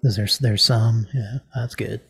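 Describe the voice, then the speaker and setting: A man hosting a casual comedy talk show, rambling with deadpan crude jokes. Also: fairly low pitch, unhurried, husky, no echo. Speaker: host.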